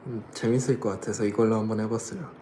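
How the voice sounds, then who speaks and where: A man's voice: fairly low pitch, fairly even intonation, fast, mellow, a little hiss or hum. A young man casually chatting with fans on a livestream, laughing often and answering comments. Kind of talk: casual live chat reading comments.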